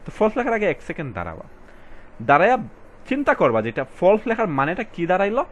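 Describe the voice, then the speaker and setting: Tutor reading English words slowly. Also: male voice, high-pitched, sing-song, highs cut off. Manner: switches between Bengali and English, reads passage lines slowly and stresses words; addresses students directly, casual colloquial. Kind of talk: recorded exam-prep lesson.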